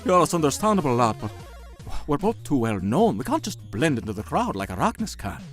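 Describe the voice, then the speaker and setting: A man voicing an anxious, protective gangster sidekick in a comic dub, with animated, slangy, fretful delivery. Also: medium pitch, a little fast, faint music behind, close to an everyday voice. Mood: cautious. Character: excitable, anxious, protective male gangster buddy.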